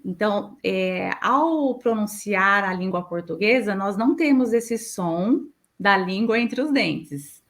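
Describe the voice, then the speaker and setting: A woman's voice: medium pitch, expressive, slow. Brazilian woman explaining patiently. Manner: patient, explains with examples and acted quotes. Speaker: speech therapist guest. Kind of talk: explanatory interview talk.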